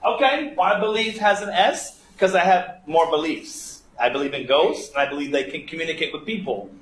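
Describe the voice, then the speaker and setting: A man's voice: on the high side, lively intonation, normal speed, a bit bright. A man teaching a live writing class, thinking aloud and putting playful, teasing questions to his students. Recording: echoey room with faint background noise.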